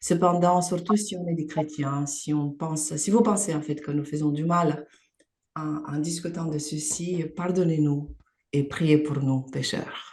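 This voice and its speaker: Somewhat breathy, a woman speaks at a very slow pace with a very deep, low pitch. Her intonation is fairly even, and there is audible room echo. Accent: slight non-native. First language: Romanian (speaking French). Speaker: religious talk show host. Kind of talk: interview conversation. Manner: hesitant, many fillers.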